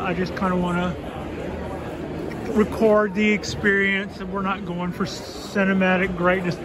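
A woman on a handheld phone, ambling through a packed indoor expo and chattering on in a rambling, delighted way. A loud crowd chatters all around her, close to the mic. The sound is plain, casual phone audio from a crowded hall. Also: mid-range voice. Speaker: vlogger touring a bonsai expo. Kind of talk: handheld walk-through commentary. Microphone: handheld phone camera.

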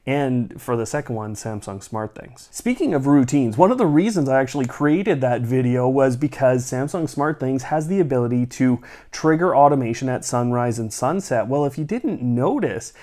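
A man's voice: mid-range voice, expressive, normal speed, few pauses, mellow. Man presenting tech updates. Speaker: host of a smart home tech channel. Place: small indoor studio room.

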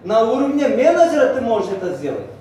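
A middle-aged Central Asian-accented man talks fast in a high, animated voice, giving an emphatic motivational presentation in two languages. He's a senior network marketing manager on stage in a large hotel banquet hall, boasting and asking rhetorical questions. The camera sits far back in the audience, so the recording is distant, echoey and noisy.

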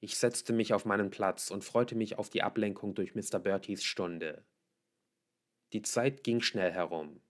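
A man's voice: on the low side, unhurried. A man reading a novel aloud as scripted audiobook narration. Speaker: audiobook reader.

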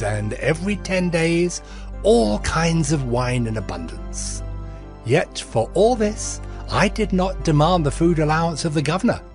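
A man playing a righteous governor narrating his deeds in a dramatized scripture reading, measured and earnest. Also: a little high. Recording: music bed behind the voice.

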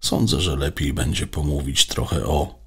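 A man's voice: extremely low pitch, normal speed, gravelly, a bit bright, husky, heavily acted. Robik, a man doing a modest caretaker robot. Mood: gentle. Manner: polite, conscientious.

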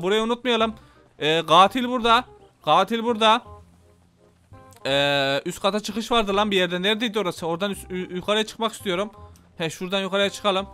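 A man with a Turkish accent giving excitable, casual gameplay commentary, talking to his viewers and swearing playfully. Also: high voice, smooth. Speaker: gameplay YouTuber.

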